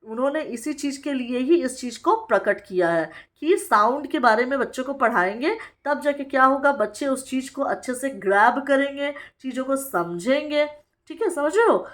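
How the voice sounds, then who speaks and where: A woman from Bihar, India, training teachers in a lecture. She reads English lines slowly, explains them, and keeps checking in with "okay?". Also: high-pitched, expressive, a bit bright. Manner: frequent "ठीक है" check-ins with the listener.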